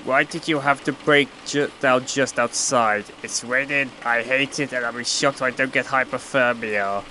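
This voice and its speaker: An actor playing a blunt, sarcastic and exasperated flying hero in an audio drama. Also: male voice, mid-range voice, steady tone, unhurried, bright, forceful tone, slight background noise. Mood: weary, grumbling. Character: exasperated sweary flying hero, stranger from Earth. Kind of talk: scripted audio drama acting.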